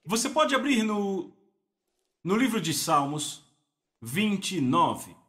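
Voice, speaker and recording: A man's voice: sits high, big pitch swings, takes it slowly, a bit bright. A man preaching an emphatic, exclamatory Pentecostal sermon.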